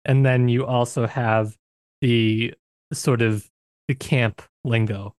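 A man's voice: mid-range voice, fairly even intonation, takes it slowly, dry recording. A man co-hosting a book discussion podcast, talking in a thoughtful, searching way with frequent restarts. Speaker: podcast co-host.

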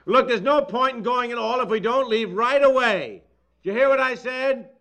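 An actor playing an exasperated, impatient American husband who nags and repeats himself, in the style of 1950s radio comedy. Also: male voice, extremely high pitch, normal speed, sharp tone, full character voice. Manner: nagging, exclamatory, repeats himself. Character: exasperated, impatient husband hurrying his wife along.

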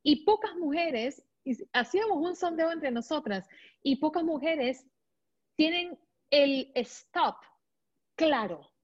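Woman host asking questions, high voice, kinda muffled audio. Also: expressive, slow pace. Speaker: interviewer. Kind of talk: interview questions.

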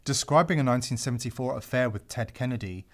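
A man's voice: medium pitch, fast talker. A male podcast host reading scripted commentary with a dramatic delivery and sarcastic asides.

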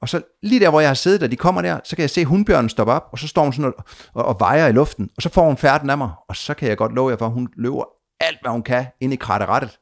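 A man telling a long story of his trip in a casual conversation, lively, with frequent restarts and repeated words. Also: medium pitch.

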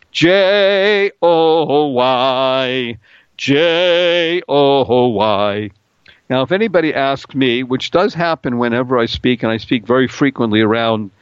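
A man's voice: medium pitch, clean tone, no room sound, muffled recording. A middle-aged man hosting a talk radio show, playful and upbeat, spelling out words letter by letter and singing little bits.

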